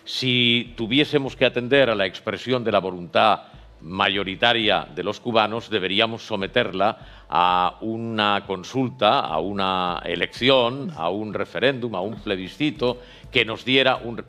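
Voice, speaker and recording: Low-voiced formal Spanish commentator man. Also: bright, forceful tone. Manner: formal, measured, long winding sentences. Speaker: studio commentator. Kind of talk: radio debate commentary.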